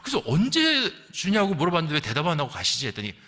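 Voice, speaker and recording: Male pastor, middle-aged, sermon delivery, fairly high voice, very lively intonation, conversational storytelling, rhetorical questions, echoing church hall. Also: fast talker. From Gyeongsang region, South Korea. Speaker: pastor preaching. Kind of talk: sermon with anecdotes and acted-out quotes. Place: large reverberant church hall. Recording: long hall reverb.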